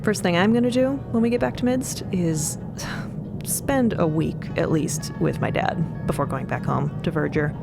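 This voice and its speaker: A woman acting an upbeat young space explorer in an audio drama, chatty and casual with a creaky voice. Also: lowish voice, normal speed. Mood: eager, fond. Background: music.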